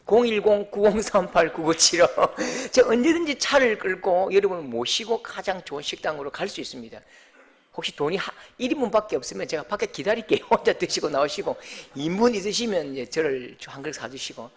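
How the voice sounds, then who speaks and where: Middle-aged pastor guy w/ gyeongsang accent, kinda high voice, cracks jokes then shouts out the good news. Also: breathy edge. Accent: Gyeongsang Korean. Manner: jokey asides, then loud proclaiming outbursts. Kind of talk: Christmas sermon.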